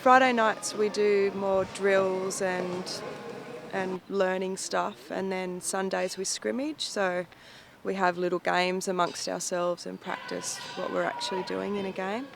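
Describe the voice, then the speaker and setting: Flat, gravelly woman. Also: medium pitch, unhurried. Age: 30s. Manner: relaxed, trailing fillers. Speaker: roller derby player interviewee. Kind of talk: casual interview answers. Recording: noisy background.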